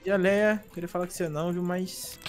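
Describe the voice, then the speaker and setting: A man's voice: high voice, steady tone, brisk, soft background music. A young Brazilian man playing as a guest in casual gameplay chat, teasing and laughing often. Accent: Brazilian Portuguese. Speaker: guest player.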